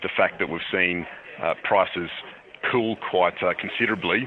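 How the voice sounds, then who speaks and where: A man with an Australian accent speaks in a very deep, low voice with fairly even intonation, and noticeable background noise runs underneath. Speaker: economist. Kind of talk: interview.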